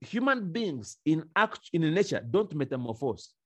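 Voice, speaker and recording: A male preacher delivering an emphatic sermon in a somewhat high voice. He hammers his points home by repeating phrases, and the sound is dry and close with almost no room echo. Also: very animated, unhurried, a bit bright.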